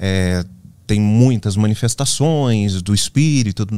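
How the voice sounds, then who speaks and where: This man's voice has a dark, mellow tone and a fairly low pitch. He talks at a very slow pace with ordinary pitch variation. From Minas Gerais countryside, Brazil. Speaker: writer and theologian. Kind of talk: casual interview chat.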